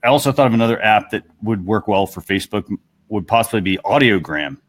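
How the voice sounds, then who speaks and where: A man with a somewhat low voice hosts a casual talk show. He explains things in a conversational way, speaking to both listeners and the panel. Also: expressive, quick pace. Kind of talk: casual presentation of tools and tips.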